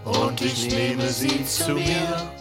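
A woman playing a melancholic addict waiting around, singing slowly in a radio play. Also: extremely low pitch. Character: melancholic drug user singing while waiting for a dealer. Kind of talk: slow song in a radio play. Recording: loud guitar music over voice.

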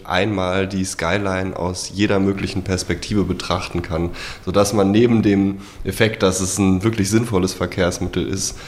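A male design researcher explaining a project fluently in an interview. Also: sits low. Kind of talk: interview soundbite.

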